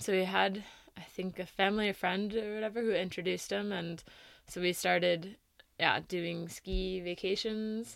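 With an American accent, a woman talks in an ordinary speaking voice at medium pitch, keeping a moderate pace and fairly even intonation. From US East Coast. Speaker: professional freeride skier. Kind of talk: interview.

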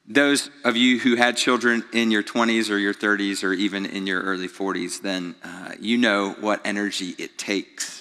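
A man talks at a moderate pace and fairly low pitch in an ordinary speaking voice, with fairly even intonation and hardly any pauses. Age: 40s. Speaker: pastor. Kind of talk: sermon.

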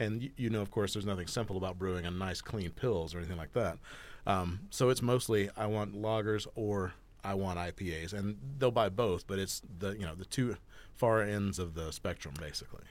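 This man has a normal speaking voice with an American accent and a fairly low pitch. He talks at a moderate pace with ordinary pitch variation. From Georgia, US South. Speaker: beer buyer and former brewer. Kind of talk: casual chat. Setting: studio.

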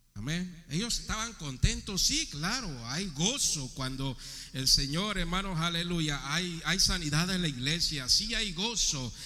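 Noticeable background noise and audible room echo accompany a high-pitched man who speaks at a fairly slow pace with lively intonation. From Mexico (rural ranch). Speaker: church brother preaching. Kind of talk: sermon.

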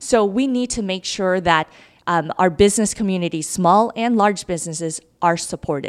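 Moderately paced female speech with ordinary pitch variation. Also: medium pitch for a woman. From Wichita, Kansas (born in Guatemala, arrived age 8). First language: Spanish. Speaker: mayoral candidate, former TV reporter. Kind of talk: interview.

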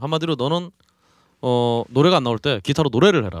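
A man's very fast speech on a very clean recording with a silent background, dry and close with no echo. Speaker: radio host. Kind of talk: casual chat. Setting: studio.

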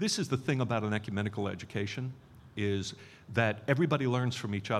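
A man speaks in an ordinary speaking voice at a fairly quick pace with ordinary pitch variation, in a very clean recording with a silent background. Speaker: retiring pastor. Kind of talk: interview conversation.

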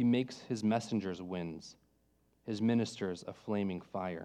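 Delivered at a fairly slow pace, the voice has a dark, mellow tone and ordinary pitch variation. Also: man. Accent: American. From California. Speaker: preacher. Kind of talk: sermon. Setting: church.

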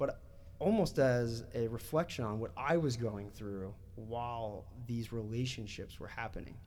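Here is a plain, everyday voice: a man with an American accent, medium pitch, ordinary pitch variation and a moderate pace. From New Jersey. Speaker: podcast host. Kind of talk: casual interview chat.

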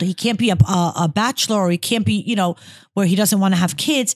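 A woman of medium pitch sounds somewhat breathy, with ordinary pitch variation and a quiet background. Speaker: podcast co-host. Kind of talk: casual chat.

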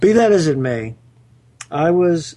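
An ordinary speaking voice from a man, at a fairly slow pace with ordinary pitch variation. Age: 60s. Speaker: intelligence analyst and psychotherapist guest. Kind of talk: casual radio interview.

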